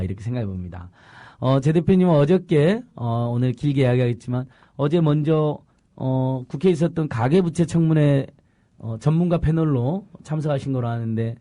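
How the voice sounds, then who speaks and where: Male political talk host, animated storyteller, mellow tone, lively pitch swings. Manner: animated, with laughter, tells anecdotes.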